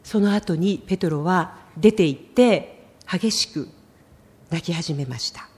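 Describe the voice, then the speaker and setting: A middle-aged woman preaching a sermon in an expressive storytelling way, often acting out the lines she quotes. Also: on the low side, measured pace.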